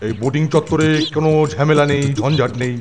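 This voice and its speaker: An actor playing a fussy, easily flustered older school superintendent in a children's cartoon, blustering and repeating himself. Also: male voice, on the high side, steady tone, fast, darkish tone, slight background noise, close to an everyday voice. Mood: contented, musing. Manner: blustering, repeats words in agitation. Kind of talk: exaggerated children's cartoon acting. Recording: music bed behind the voice.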